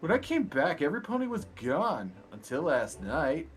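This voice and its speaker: Man putting on a high valley girl pony. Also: huge pitch swings, normal speed. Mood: nervous, confiding. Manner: valley girl drawl, hesitant, breaking into giggles. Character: young female pony townsperson with a ditzy valley girl voice.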